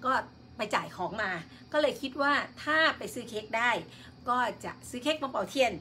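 A woman's voice: high voice, pushed and bright, slight background noise. A woman hosting a live stream in casual chat, politely reading out and greeting her viewers one by one.

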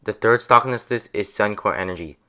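A young adult man giving a steady, scripted voice-over that explains stock picks. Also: fairly low pitch, brisk, smooth. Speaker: finance channel narrator.

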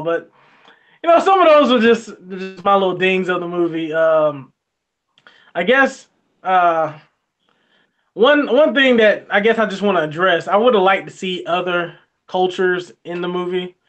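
A young man with a high voice co-hosts a casual movie review chat. He talks in a colloquial, animated way. He laughs often as he goes. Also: a little slow, pauses often.

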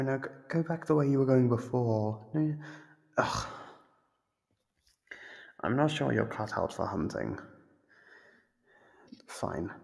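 Male actor as a smug predatory monster for ASMR roleplay: very creaky, husky, unhurried, teasing and theatrical. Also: mid-range voice, heavily acted. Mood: coaxing, impatient. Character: playful, taunting predatory monster toying with captive prey.

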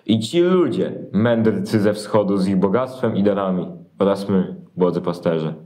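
A man's voice: low-pitched, animated, moderate pace, mellow. A man playing an earnest, wondering poor shepherd in an amateur nativity audio play.

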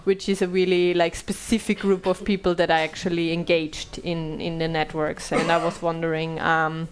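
With a lowish, level voice at a moderate pace, this woman in her thirties from Austria moderates a conference panel in English. The headset-mic recording, made in a small bright meeting room, has slight hiss or hum, and she often restarts and uses fillers.

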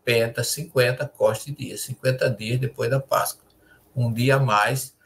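An older man, a spiritist lecturer, explaining terms in a measured way with restarts, heard over a video call from a home study. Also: medium pitch, steady tone, a bit bright. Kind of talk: explanatory panel talk.

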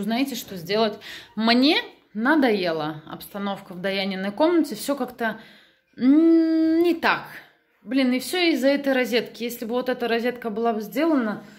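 A young woman vlogging casually on a handheld phone, chatty and expressive, with exclamations. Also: a little high. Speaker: family vlogger, mother. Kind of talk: casual vlog chat to viewers.

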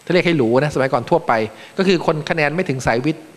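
A Thai man from Thailand, a panel speaker giving a joking, animated seminar talk in a large conference room. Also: fairly high pitch, racing. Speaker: panel speaker, acting vice president. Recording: long reverb of a large hall.

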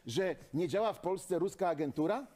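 A man's voice: high voice, animated, moderate pace, dark tone. A man arguing insistently in a studio talk show debate, pressing and repeating his accusations.

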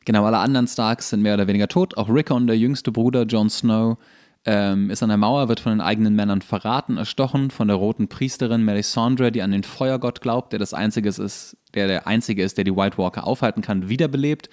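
A man co-hosting a podcast, casually recapping a story in a halting, stop-and-start way. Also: fairly low pitch, steady tone, darkish tone. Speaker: podcast co-host.

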